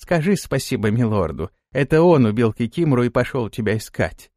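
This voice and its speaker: A man's voice: medium pitch, big pitch swings, brisk, darkish tone, no room sound, studio quality, natural voice. A man voicing a bossy woman guide. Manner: commanding, reproachful.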